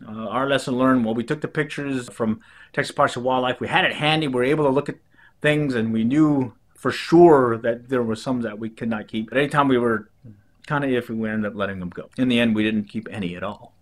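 A man's voice: medium pitch, fairly quick. A middle-aged man with an American accent, hosting a fishing video in a casual, easygoing, conversational way from a home office. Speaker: host of a fishing video channel. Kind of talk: casual recap of fishing tips to camera. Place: small indoor home office.

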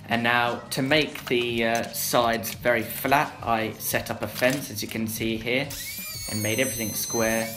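A young man narrating a woodworking build in a relaxed voice-over, with frequent filler sounds. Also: mid-range voice, unhurried. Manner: plain, easygoing, frequent "uh" fillers. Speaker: woodworking channel host. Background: background music.

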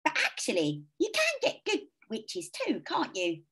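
A woman voicing an eager, excitable young boy. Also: high-pitched, a little slow, pitched above the performer's own voice, heavily acted.

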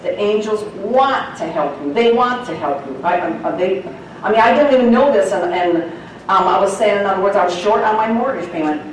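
Her mid-range voice is expressive and a touch fast as she teaches Scripture to the congregation in a homey, conversational way, often breaking into laughter. There's slight background noise, and the distant recording catches the echo of the church sanctuary.

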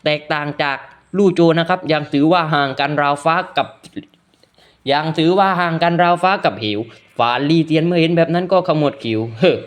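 A man's voice: fairly high pitch, steady tone, brisk, smooth. A man retelling a fantasy story as a narrator, polite and loose, often correcting himself. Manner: polite, adds frequent polite particles, loose retelling with self-corrections.

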